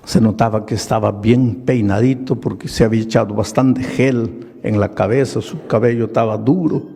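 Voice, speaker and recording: An older man preaching as a pastor, slow and dramatic, acting out the dialogue of the stories he tells. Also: lowish voice, steady tone, creaky, dark tone, slightly rough. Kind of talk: storytelling sermon. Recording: echoey large hall.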